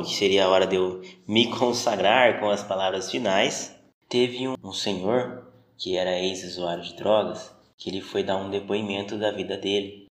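A man from Brazil with an interior São Paulo accent, casually telling a personal story as a listener's voice message. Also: fairly low pitch. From Ribeirão Preto, Brazil. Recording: roomy, faintly noisy voice message.

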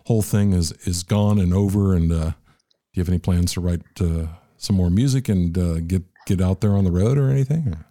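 A man's voice: deep voice, a little fast, mellow, no room sound, studio quality. A male radio show host interviewing a guest in an easygoing way, with many filler sounds. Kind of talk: interview hosting.

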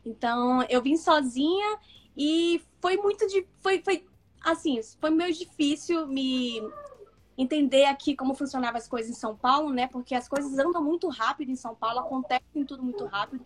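A young comics editor from Manaus speaks with a northern Brazilian accent. Her voice sits high, and she talks in a loose, chatty way, full of fillers and quick laughs. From Manaus, Amazonas, northern Brazil. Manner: chatty, laughs often, many fillers and restarts. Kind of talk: casual interview chat.

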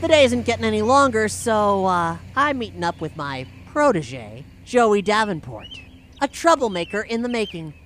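A woman's voice: mid-range voice, big pitch swings, normal speed, fairly bright tone, a little hiss or hum. A woman playing a defiant, wisecracking teenage boy thief in a roleplayed audio drama. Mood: sly. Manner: wisecracking, insolent, slangy.

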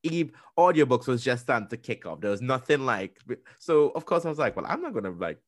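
Host, man, 30s, Trinidadian accent, quick rambling storyteller, dry close sound. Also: medium pitch, sing-song, dry recording. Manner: fast, rambling, with many restarts. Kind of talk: casual storytelling chat.

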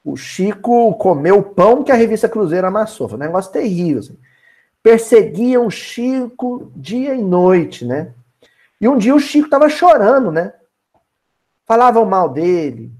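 A lively man leads a Bible study lesson, his pitch swinging widely as he explains. He talks in a relaxed, colloquial way and keeps turning to his listeners with questions. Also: unhurried. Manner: animated, colloquial, asks the audience questions. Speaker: Spiritist study leader.

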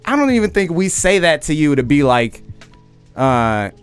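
A man in his late twenties, talking loudly and emphatically on a podcast and often asking "you know what I mean?". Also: on the high side, big pitch swings, moderate pace, smooth, dry recording, soft background music. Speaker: podcast host. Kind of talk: casual conversation.

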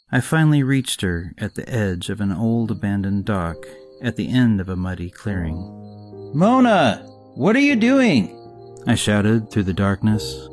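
A man's voice: on the low side, a little mellow, no room sound. A man narrating a horror story in a somber, reflective tone. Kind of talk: scripted narration. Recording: narration over music.

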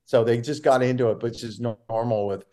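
A man's voice: mid-range voice, moderate pace. A man, a podcast co-host and tour caddy, telling profane stories in casual banter. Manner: profane, storytelling, animated impressions.

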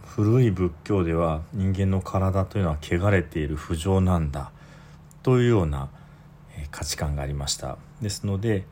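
Buddhist priest, man, low voice, unhurried dharma talk, patient and explanatory. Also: slight background noise. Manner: patient, explanatory, frequent soft fillers.

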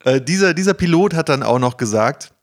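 A man hosting a podcast, chatting casually in a halting, informal and excitable way. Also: fairly high pitch. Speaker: podcast host. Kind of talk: casual chat, presenting to co-hosts.

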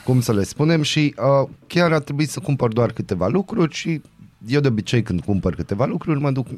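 A man's voice: mid-range voice, expressive, a little mellow. A man co-hosting a morning radio show, telling an indignant story in casual banter.

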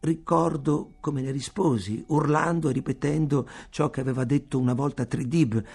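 A man reads a novel aloud for radio in a measured, expressive storytelling manner. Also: mid-range voice, creaky, slightly rough. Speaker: reader. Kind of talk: literary reading for radio.

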